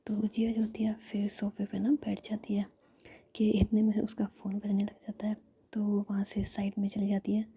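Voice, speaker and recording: A woman narrates a story entirely in a soft whisper, in a casual retelling style. Her voice is very breathy and dark, with a gravelly rasp underneath. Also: medium pitch, monotone, moderate pace.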